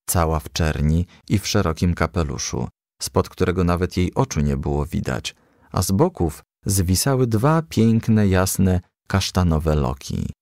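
A man reads a children's story as an audiobook narrator. His voice is fairly low with a gravelly creak, and the melody swings widely as he tells it. The sound is close and dry. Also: no echo. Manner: animated, storytelling delivery. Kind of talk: expressive children's storybook reading.

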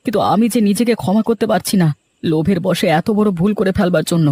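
A man's voice: high-pitched, fast, warm tone, no echo. A man voicing a distressed, regretful village husband in a melodramatic cartoon, plaintive and anxious. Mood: anguished, regretful.

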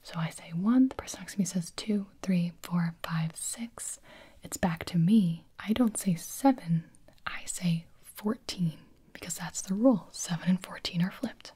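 A young woman in her twenties whispering in a breathy voice, chatting playfully as she explains party games in an ASMR style. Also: fairly low pitch, unhurried, dark tone. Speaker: ASMR creator.

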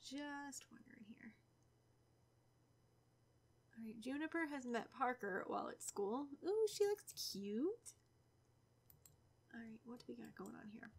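A young woman with a cold, stuffy and a little raspy, chatting casually through a let's play and teasing the characters. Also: a little high, animated, measured pace, long pauses. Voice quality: slightly raspy. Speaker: gaming YouTuber.

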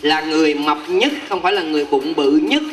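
Man hosting a live game show over loud music. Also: a little high, animated, quick pace. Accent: southern Vietnamese. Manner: teasing game show host banter. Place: outdoor evening banquet stage. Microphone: handheld microphone.

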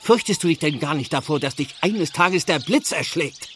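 A man's voice: fairly high pitch, animated, moderate pace, fairly bright tone, faint music behind. An actor playing a pious, reproachful village clergyman and long-suffering brother in a German radio play. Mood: stern warning. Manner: earnest, admonishing.

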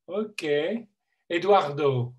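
Slow-talking man hosting a video call. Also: on the high side, lively intonation, highs cut off. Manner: hesitant, many fillers, playful teasing. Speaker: host. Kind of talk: casual video call chat. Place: home room, indoors.

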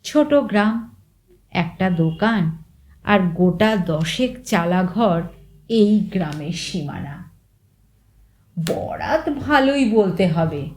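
A woman reading a first-person story aloud in a measured, expressive way, lifting her voice on key words. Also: medium pitch, rough recording. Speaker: story reader.

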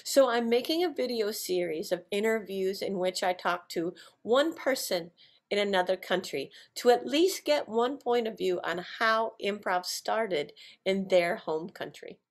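An American woman hosts an interview series from her home and speaks into a webcam. Her pitch sits in the middle of the range, and she talks in a clear, measured way. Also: lively intonation. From United States. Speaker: interview host. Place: home room indoors.

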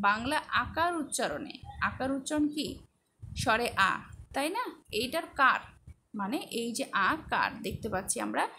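Female teacher, high voice, patient and repetitive with small children, asks and answers questions, light background noise. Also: fairly bright tone. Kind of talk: classroom lesson for young children.

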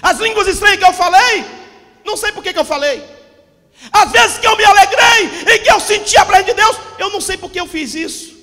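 A man in his forties preaches with fiery fervor, his very high, bright, forceful voice often rising to a shout. He holds a handheld mic, and the sound carries a long reverb from the church hall around him. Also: fairly quick. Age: 40s. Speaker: pastor. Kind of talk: impassioned Pentecostal sermon. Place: church hall with a stage backdrop. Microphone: handheld microphone.

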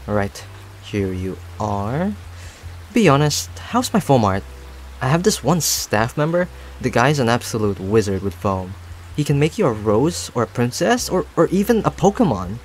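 Man acting as male cafe owner, chatty, rambling, kind, mid-pitched, animated melody, roleplay audio with soft music and rain. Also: moderate pace, a little hiss or hum, close to an everyday voice. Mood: friendly, chatty. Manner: chatty, rambling, gently attentive. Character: friendly, talkative young male cafe owner and barista. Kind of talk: scripted roleplay audio addressed to the listener. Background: music and rain sounds.

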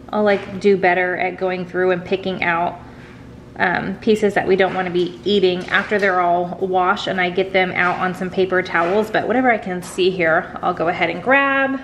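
A woman's voice: medium pitch, a bit bright, a little hiss or hum. A woman in her thirties chatting to viewers while washing and prepping fruit in her home kitchen. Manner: chatty, addresses viewers directly. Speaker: vlogger. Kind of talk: casual kitchen vlog narration.

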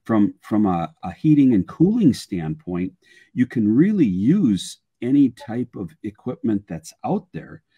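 A man's voice: lowish voice, sing-song, a little slow, slightly rough, narrow, tinny audio. An older man speaking as a guest expert, explaining technical matters informally on a webinar video call. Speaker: guest expert, structural engineer and sales manager.

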